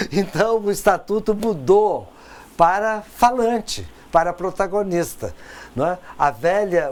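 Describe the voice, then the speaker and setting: A man giving a recorded course lecture in a conversational way, with frequent tag questions, pauses and repeated words. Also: fairly high pitch.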